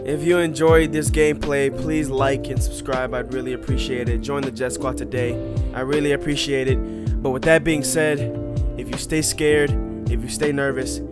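A young man commentating his own gameplay, excitable and loud, cursing and repeating himself, his voice going hoarse. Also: medium pitch, moderate pace, loud music behind the voice. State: losing his voice. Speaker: gaming YouTuber.

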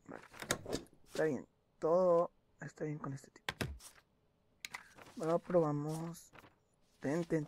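A man's voice: fairly high pitch, darkish tone, slight background noise. A young man, commenting on a game as he plays, muttering and reading documents aloud with joking asides. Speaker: gaming video host. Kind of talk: gameplay commentary.

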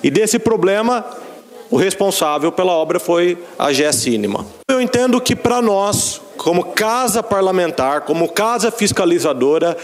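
Hesitant councillor in a reverberant chamber. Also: male voice, high-pitched, expressive, moderate pace. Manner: hesitant, with restarts. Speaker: city councillor. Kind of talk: floor speech.

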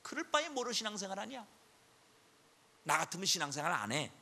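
A man's voice: high voice, sing-song, fairly quick, creaky, bright, forceful tone, exaggerated voice. A man preaching, voicing the devil as a whiny, mocking male accuser. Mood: taunting.

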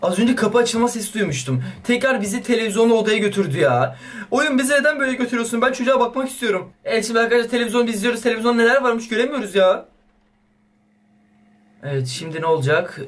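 A young man commentating a horror game as a YouTuber, excitable and swearing playfully at the baby. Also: high voice. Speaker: gaming YouTuber. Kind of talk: let's play commentary.

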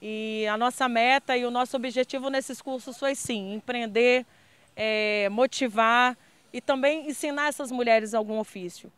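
A woman's voice: a little high, steady tone, unhurried, a bit bright, smooth, no room sound. Earnest woman community leader. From Brazil. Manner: earnest, persuasive, with frequent fillers. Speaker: interviewee, community leader and council candidate. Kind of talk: street interview answers.

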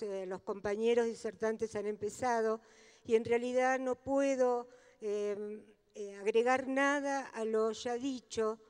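A middle-aged woman, giving an architecture lecture into a handheld microphone, pausing often with many fillers. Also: on the high side, darkish tone, clean tone. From Argentina. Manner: halting, thinking aloud with many pauses. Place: large stage at an event hall. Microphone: handheld mic at a lectern. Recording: long hall reverb.

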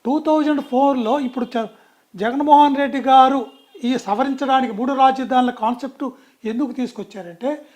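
High-voiced man, emphatic guest. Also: moderate pace, a little mellow. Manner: emphatic, with many restarts and self-corrections. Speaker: political guest. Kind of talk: political interview.

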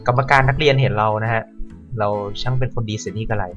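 A man gives commentary over a horror game in a mid-pitched voice, shifting between calm asides and sudden startled yelps. He keeps talking to the zombies on screen. Faint game music plays under his voice. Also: quick pace, lo-fi sound. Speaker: gameplay commentator. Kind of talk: let's play commentary.

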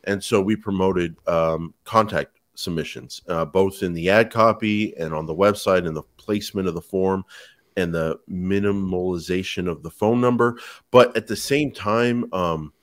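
A man in his thirties with a low voice talks as a podcast co-host. He explains his points conversationally, as if on a call from home. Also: normal speed. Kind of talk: conversational explanation of online advertising. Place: home kitchen, indoors.

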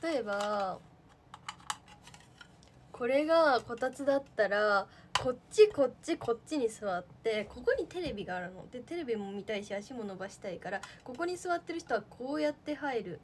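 A young woman in casual livestream chat, answering viewer comments in a fairly high voice that swoops up and down a lot. She is chatty and giggly, packs her talk with fillers and sounds relaxed and unscripted. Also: moderate pace, slight background noise. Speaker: idol trainee livestreamer.

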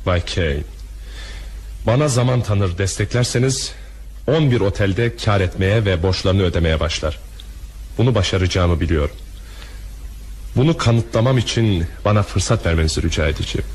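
Low-voiced, proud, embittered hotelier. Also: male voice, animated, normal speed, long pauses, a little mellow, slightly rough. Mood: pleading. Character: bitter, vengeful, proud male hotel owner. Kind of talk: crime radio drama acting. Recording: faintly noisy radio drama recording.

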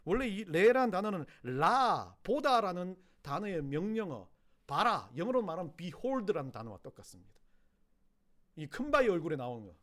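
A middle-aged man with a Gyeongsang Korean accent preaches a sermon. His voice sits high and leaps all over, rising to loud emphatic cries and dropping to hushed low asides. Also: very animated, normal speed. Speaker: pastor.

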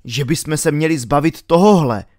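A man voicing a frightened, panicking man who pleads and yells in a raised, strained voice. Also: no room sound, studio quality, lightly acted. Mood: nervous pleading. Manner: shrill, pleading, yelling.

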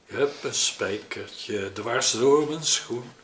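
An elderly man from the Netherlands recalls his childhood in an interview, speaking hesitantly with pauses in a conversational manner. His voice is mid-range and a bit bright, recorded indoors in a living room with roomy echo and faint noise.

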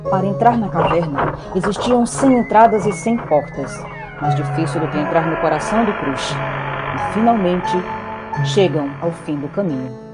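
Female storyteller for a comic audio drama, Brazilian accent, slightly low register, clear music bed. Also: animated, normal speed. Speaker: narrator. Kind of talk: scripted comic story narration.

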